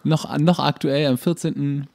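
A man's voice: on the high side, fairly even intonation, moderate pace, creaky, darkish tone. A man co-hosting a podcast, chatting casually and dropping dry, teasing jokes. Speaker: podcast co-host. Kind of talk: casual chat.

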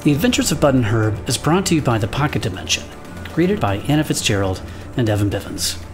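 A man's voice: medium pitch, very animated, fast talker. Male announcer over prominent music. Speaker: credits announcer. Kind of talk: scripted announcement.

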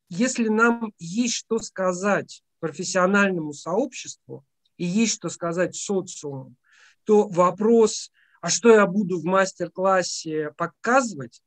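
A man giving a semi-formal, unscripted briefing as an education expert, speaking haltingly with frequent drawn-out hesitations. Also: high voice. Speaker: education academic briefing teacher contest finalists.

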